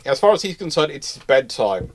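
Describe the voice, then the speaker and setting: The host of a live naval history question show chats unscripted with his audience, rambling and restarting phrases mid-thought. He's a man with a slightly high, sing-song voice and a fairly quick delivery.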